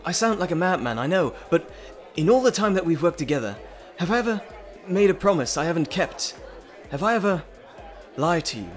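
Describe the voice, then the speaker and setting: An earnest, bookish professor played by a male actor in a dramatic audio roleplay. His voice is fairly high and swings expressively, though he takes his time, stammering through wordy, formal phrases. Faint music sits behind him. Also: very animated, fairly quick, some chatter behind. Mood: confiding, earnest.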